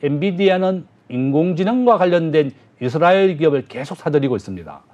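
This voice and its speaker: A man, a business professor, giving measured economic commentary as a guest, with frequent filler pauses. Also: fairly high pitch, big pitch swings, a little mellow.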